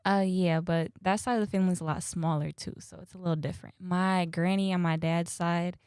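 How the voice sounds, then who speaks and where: Soft-spoken young woman. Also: fairly low pitch, steady tone, fairly quick, smooth, no echo, clean studio sound. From Ohio, US. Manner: brief, shy answers with soft laughs. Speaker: guest.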